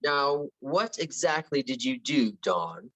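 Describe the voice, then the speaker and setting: A man's voice: medium pitch, sing-song, slow pace, a bit bright. Stern school principal, a man acting. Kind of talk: table read acting.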